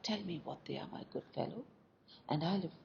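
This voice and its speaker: A woman reading the part of an impatient, commanding young gentleman suitor in a storybook. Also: low voice, moderate pace, creaky. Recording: dull lo-fi recording with faint noise.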